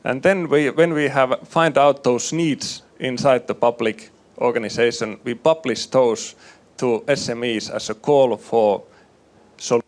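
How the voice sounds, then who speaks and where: A man from northern Finland, a hospital innovation manager, giving a measured panel presentation with frequent fillers into a conference microphone. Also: mid-range voice. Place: conference room with live panel. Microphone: handheld or table microphone.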